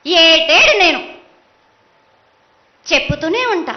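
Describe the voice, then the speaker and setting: A woman's voice: extremely high pitch, animated, takes it slowly, highs cut off. A woman with a Telangana Telugu accent speaking as a mother goddess in a prophetic trance voice, chanting and reproaching her children.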